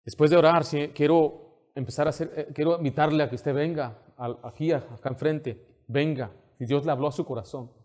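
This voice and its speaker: A man's voice: fairly high pitch, fairly quick. A male pastor preaching a sermon in a church, acting out scenes with sound effects, then leading an altar call and prayer. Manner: animated storytelling, acts out scenes with sound effects. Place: church sanctuary.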